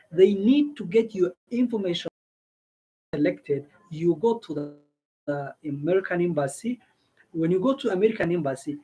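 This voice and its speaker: Husky-voiced guy from east africa talking to camera, keeps asking "you get me?". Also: sits high, poor audio. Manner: repeats himself, asks listeners questions. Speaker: video host giving visa advice. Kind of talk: casual explainer talk to camera.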